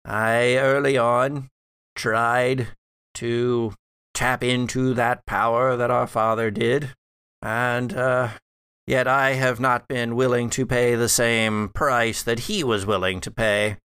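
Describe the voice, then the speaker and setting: A man voicing a weary, mocking undead father in a horror roleplay, halting and condescending as he shares dark secrets. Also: medium pitch, flat delivery, clean tone, no echo. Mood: reflective, halting. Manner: halting, drawn-out, condescending delivery. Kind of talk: improvised in-character horror roleplay.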